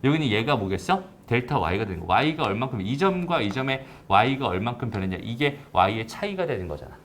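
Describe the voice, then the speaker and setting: A man teaching a recorded math lecture in a casual way, often checking understanding with quick tag questions. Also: medium pitch, very animated, a bit bright, slight background noise.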